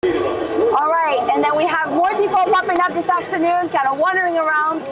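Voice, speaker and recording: A very high-voiced woman with a French accent chats eagerly with fans outdoors. She sounds a bit off-mic, over loud music and a roaring crowd. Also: far from the mic, low-quality recording. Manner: bubbly, eager, quick questions. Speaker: sideline fan interviewer. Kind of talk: upbeat roving stadium interviews. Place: outdoor stadium plaza.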